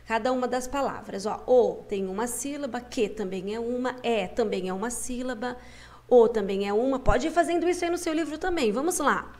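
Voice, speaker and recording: A woman teacher, guiding young pupils through a schoolbook lesson, patient and coaxing, slowing down to sound out syllables. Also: fairly high pitch, a little mellow.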